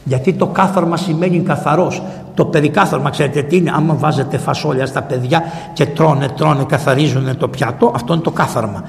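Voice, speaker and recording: A man, a priest, giving a sermon in a church and retelling a story in lively, colloquial language. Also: fairly high pitch, creaky. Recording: echoey church with long reverb.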